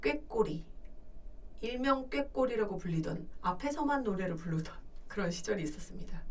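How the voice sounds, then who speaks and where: A woman's voice: medium pitch, expressive, moderate pace, far from the mic. A middle-aged woman vocal coach giving a lesson, explaining step by step and sometimes breaking into sung demonstrations.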